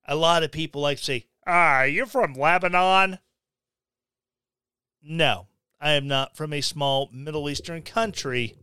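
A man's voice: a little high, unhurried, pushed and bright, clear, resonant tone, dry recording, studio quality. A man from Missouri hosting a podcast, delivering a blunt opinionated rant with sarcastic asides. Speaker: podcast host. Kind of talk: opinionated monologue.

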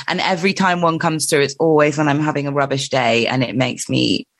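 A woman co-hosting a podcast, reacting warmly in casual chat. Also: low voice, fairly even intonation, brisk, no echo, clean studio sound. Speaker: podcast co-host.

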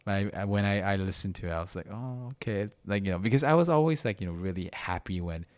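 Deep-voiced Malaysian man, rambling chat. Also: expressive, fast, a little mellow, no room sound. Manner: rambling, many restarts and "like"s. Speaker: podcast host. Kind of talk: casual chat.

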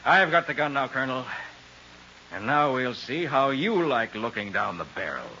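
An actor playing a cool, quick-witted private detective with a clipped, wisecracking manner in a 1940s radio crime drama. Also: male voice, mid-range voice, expressive, natural voice. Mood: brisk, confident. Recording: muffled, hissy old radio recording.

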